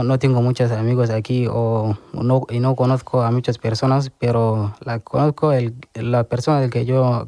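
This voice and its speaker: Halting man, mellow voice. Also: mid-range voice, dry recording. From Sudan. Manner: hesitant, halting, searching for words. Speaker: interview guest. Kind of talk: radio interview. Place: radio studio.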